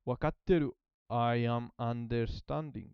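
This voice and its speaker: Over music, a gravelly male voice of medium pitch keeps a steady tone at normal speed, with the highs cut off. He is a language learner, not a native Japanese speaker, hesitantly going over phrases again and again as he translates in a casual study vlog.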